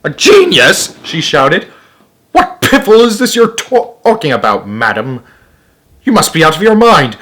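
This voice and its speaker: Guy doing a bossy shouty headmistress for a kids storybook, scornful, pitch jumping all over. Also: wildly swooping pitch, measured pace, full character voice. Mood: furious. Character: bullying, loud, domineering middle-aged headmistress. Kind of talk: children's storybook read-aloud.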